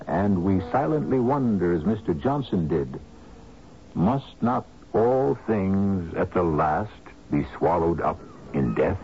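An actor playing the solemn, brooding host of a radio mystery, narrating in a measured way with dramatic pauses. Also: male voice, sits low, very animated, slight background noise, heavily acted. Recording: dull radio broadcast under music.

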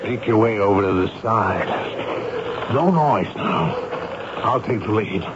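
An actor playing a stern, authoritative army major in a 1970s radio drama. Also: male voice, on the low side, lively intonation. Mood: hushed, tense. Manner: authoritative, brisk, urgent. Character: stern, commanding army major recounting and leading a manhunt. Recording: muffled, very noisy 1970s radio recording.

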